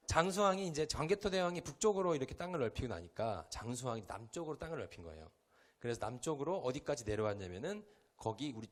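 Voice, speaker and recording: Young guy pastor, chatty sermon, keeps asking the crowd questions, church hall. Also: medium pitch. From Chungcheong, South Korea. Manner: conversational, quizzing the congregation with questions. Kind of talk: youth service sermon.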